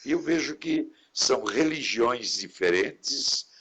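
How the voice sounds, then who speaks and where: A man's voice: medium pitch, animated, takes it slowly, very noisy. A man who is a Catholic priest, chatting reflectively and often turning to caring for one another. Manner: warm, reflective, preachy asides about caring for others. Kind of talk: casual conversation in a live stream.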